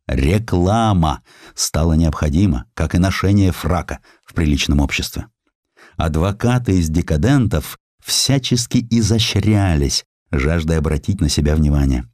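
A man reading a historical essay as a scripted, dramatic literary narration, in an expressive, theatrical storytelling manner. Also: low-pitched, no room sound, studio quality. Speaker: audiobook narrator.

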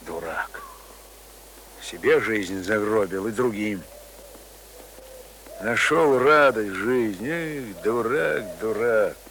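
An actor playing a rough but kindly middle-aged village man in a radio play, muttering and sighing in speech. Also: fairly low pitch, expressive, slow, pauses often, fairly bright tone, exaggerated voice. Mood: bitter, rueful. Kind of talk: Russian radio play acting. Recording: noisy radio drama recording.

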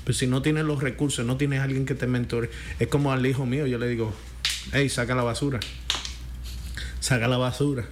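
A man with a Puerto Rican accent, a pastor, telling lively stories in a casual faith talk and acting out quoted lines. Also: medium pitch, a little fast, noisy background.

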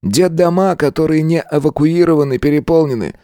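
Weary wartime teacher, earnest and brisk, played by a male reader; voice a bit raised. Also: a little high, dark tone, no echo, studio quality, voice pushed up, lightly acted.

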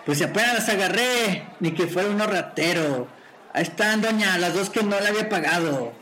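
A man's voice: sits high, lively intonation, fairly quick, sharp tone, slight background noise, rough recording. A man playing a coarse, mocking street rogue in an amateur radio drama, talking back with rude scorn. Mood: scornful.

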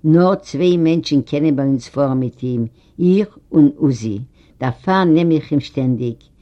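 A reader voicing an old kibbutz man who drives an old car, gruff but kindly, talking in a folksy, joking way, a bit louder than the narration. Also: medium pitch, a little slow, close to an everyday voice. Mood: wry. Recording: dull lo-fi recording.

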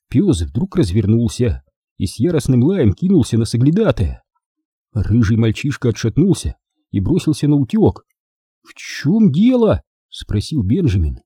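A man narrating a storybook with expressive, lively intonation. His voice is very dark and husky. It is recorded close and dry, with no room sound. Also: medium pitch, no room sound. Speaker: audiobook reader. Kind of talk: scripted narration.

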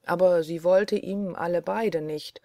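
A woman's voice: on the low side, fairly even intonation, measured pace, warm tone, no room sound, clean studio sound. A woman narrating a fairy-tale audiobook, reading carefully and evenly. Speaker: audiobook reader.

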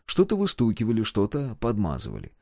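A man's voice: lowish voice, wildly swooping pitch, a little fast, darkish tone, no echo, clean studio sound. A man reading a story aloud as narrator, telling it expressively. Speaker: audiobook reader. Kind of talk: scripted narration.

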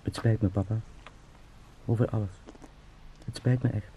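A man's voice: on the low side, steady tone, normal speed, highs cut off, a little hiss or hum, natural voice. An actor playing an anguished, obsessive young man turned into a giant beetle, pleading and brooding in an intimate radio drama. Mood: remorseful, pleading.

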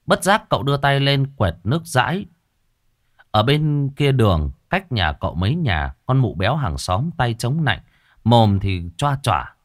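Animated male storyteller. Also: medium pitch, measured pace, no room sound, studio quality. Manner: expressive, animated. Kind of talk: scripted story narration.

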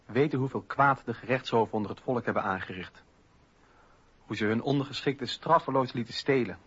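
A man acting a passionate young philosopher with a husky, mid-pitched voice. He delivers a letter monologue earnestly and articulately. It is a slightly muffled radio drama recording. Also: close to an everyday voice. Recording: dull lo-fi old radio recording.

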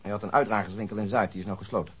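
An actor playing a modest, factual police detective in a radio drama, with a plain, unassuming manner. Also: male voice, fairly low pitch, steady tone, racing, fairly bright tone, husky. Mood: matter-of-fact. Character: modest, matter-of-fact male detective with sharp memory. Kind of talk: Dutch radio drama acting.

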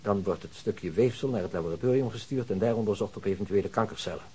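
An actor playing a self-assured hospital doctor in a Dutch radio drama, explaining things in a measured, pedantic way. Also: male voice, fairly low pitch, darkish tone, breathy edge. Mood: clinical, explanatory.

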